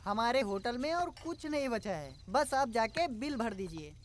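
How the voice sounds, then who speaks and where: A woman's voice: a little high, lively intonation, a little hiss or hum, natural voice. An actress voicing a tired, cheeky young male hotel waiter in a dubbed film. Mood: eager. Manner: brisk, back-talking servant. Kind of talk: Hindi film dub acting.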